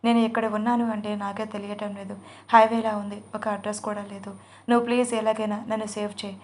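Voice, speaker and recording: A woman's voice: mid-range voice, level tone, brisk, close to an everyday voice. A woman voicing a scared, pleading young pregnant employee in an audio story. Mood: frightened. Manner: pleading, anxious.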